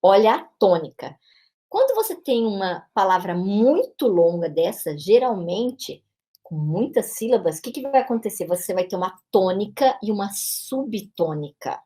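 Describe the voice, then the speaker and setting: A woman English teacher from Brazil with a São Paulo interior accent, explaining pronunciation and often checking in with quick tag questions. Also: mid-range voice, very animated, warm tone. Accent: São Paulo interior Brazilian Portuguese. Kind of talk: pronunciation lesson narration.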